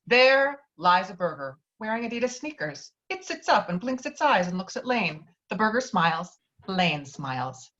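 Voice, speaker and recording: At a casual table read, a woman reads out a screenplay's stage directions, now and then stumbling before correcting herself. Her voice is pushed and bright and on the high side. The sound comes through dull, lo-fi online call audio.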